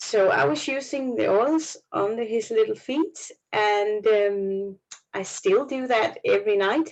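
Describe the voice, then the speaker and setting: A fairly high-pitched woman's voice with a Danish accent, lively intonation and a fairly slow pace. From Denmark. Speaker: network marketing distributor. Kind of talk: testimony. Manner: halting, many fillers.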